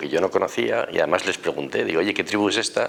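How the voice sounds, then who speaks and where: A man speaking at a very fast pace over noticeable background noise. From Spain, Madrid. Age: 60s. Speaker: photographer. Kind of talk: testimony. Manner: conversational, with fillers and self-corrections.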